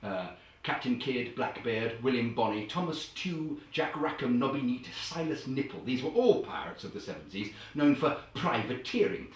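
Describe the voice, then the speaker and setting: A man's voice: mid-range voice, animated, moderate pace, close to an everyday voice. A man playing a pompous acting coach. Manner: theatrical, grandly enunciated, sudden loud outbursts. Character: pompous, self-important male acting coach. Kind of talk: comedy character sketch. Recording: very echoey, far from the mic.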